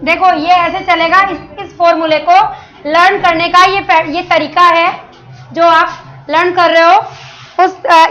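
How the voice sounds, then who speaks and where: A woman with a Rajasthani Hindi accent teaches a grammar class in a very high, bright, forceful voice. She explains step by step, tosses questions to the class and then answers them herself. English words slip in among the Hindi. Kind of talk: classroom lesson.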